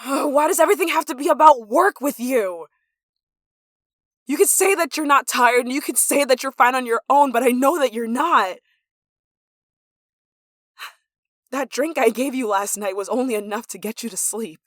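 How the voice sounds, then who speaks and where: A woman's voice: high-pitched, normal speed, no echo. Woman acting an obsessive, possessive yandere lover, close-up. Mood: coaxing, insistent. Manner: breathy sighs and chuckles, dropping to whispers. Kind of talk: intimate ASMR roleplay acting.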